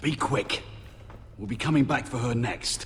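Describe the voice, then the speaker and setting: A man performs a put-on character voice. Clear background noise is audible behind him. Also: medium pitch for a man, moderate pace. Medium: video game. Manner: gruff, curt.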